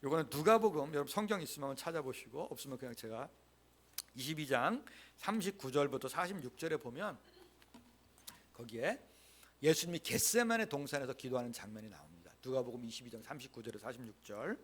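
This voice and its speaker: A man's voice: medium pitch, expressive, fast talker. A male pastor preaching a Sunday sermon in a church, repeating key phrases emphatically and leading the congregation to say lines aloud with him. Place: church sanctuary.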